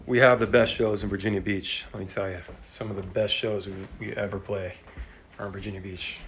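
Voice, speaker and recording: A man on a casual live stream from his phone, rambling and swearing as he talks with his mouth full and often clears his throat. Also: fairly low pitch, fairly even intonation, fairly quick, a bit bright, a little hiss or hum. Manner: talks while eating. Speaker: musician livestreaming to fans. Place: at home grill, cooking dinner. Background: sizzling food on the grill.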